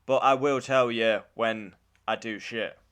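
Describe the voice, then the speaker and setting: A British man speaks at a medium pitch in an informal vlog style. He recounts things in a matter-of-fact, conversational way, as someone chatting to his viewers. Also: fairly even intonation, measured pace, a bit bright. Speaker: vlogger, learner driver.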